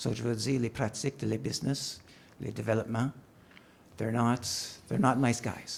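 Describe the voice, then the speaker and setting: A man with an English accent and a medium pitch speaks at a moderate pace. Long, frequent pauses break up his ordinary pitch variation. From England. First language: English (speaking French). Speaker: resident speaking at public meeting. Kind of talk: public comment at municipal meeting. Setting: community centre public meeting. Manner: halting, many hesitations.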